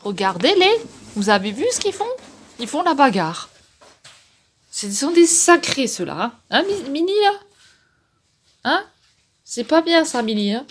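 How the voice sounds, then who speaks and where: A chatty woman from France, vlogging at home in a slightly high voice. She keeps up a running commentary and coos at her pets. A faint hiss of noise sits under the recording. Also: big pitch swings, a little slow, pauses often. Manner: chatty, talks to her pets in a sing-song voice. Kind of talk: casual vlog chat.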